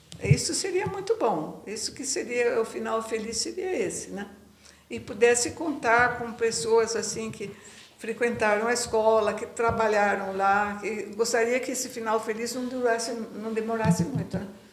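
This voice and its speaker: Here a woman with a fairly high pitch speaks at a moderate pace, with lively intonation and big swings in loudness. Room echo is audible. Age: 80s+. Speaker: music school co-founder, interviewee. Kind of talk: press conference interview.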